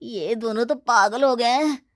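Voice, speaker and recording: A woman's voice: fairly high pitch, a little slow, dry recording, studio quality. Woman voicing a jumpy young cartoon guy. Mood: panicked. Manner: dramatic, exclaiming loudly. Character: young man, jumpy and easily scared. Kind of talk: cartoon story dub.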